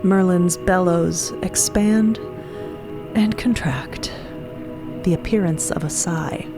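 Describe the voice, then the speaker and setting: A woman narrating a scripted audio drama in a solemn, measured manner. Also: lowish voice, over music.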